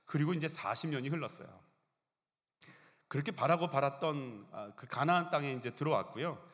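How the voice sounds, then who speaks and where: A man's voice: a little high, fairly quick, fairly bright tone, big-room sound. A male Korean pastor preaching a conversational sermon to his congregation, often asking them questions. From South Korea. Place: church sanctuary.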